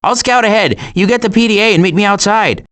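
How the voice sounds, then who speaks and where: Fast-talking and high-voiced, a man plays a sardonic animal adventurer in an animated video game, delivering glib lines, dry sarcasm and deadpan asides.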